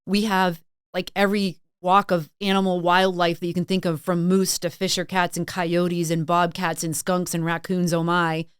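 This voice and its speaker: A middle-aged woman from Massachusetts and Maine, a sales consultant and author chatting as a podcast guest, telling stories in a relaxed, talkative way. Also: on the low side, normal speed, smooth, no echo, studio quality. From Massachusetts and Maine, USA. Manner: chatty, storytelling, frequent "like" and "um". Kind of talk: casual interview chat.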